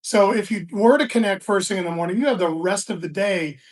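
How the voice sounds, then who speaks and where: A man in his sixties talks through stories in a relaxed, meandering way, pausing and restarting often. His voice sits high for a man. He is heard from a distance, away from the mic. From Florida, USA. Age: 60s. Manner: relaxed storyteller with many restarts and fillers. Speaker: guest, business founder. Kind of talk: casual interview talk.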